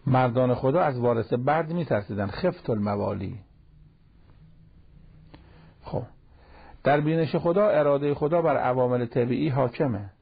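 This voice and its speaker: A man with a gravelly, husky voice preaches in an easy, talky way and slips in recited Arabic verses. He, and the sound is dull and lo-fi, like an old radio broadcast. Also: medium pitch, long pauses. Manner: plain conversational preaching, quotes Arabic verses. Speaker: cleric giving a Quran commentary talk. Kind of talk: sermon-style Quran commentary.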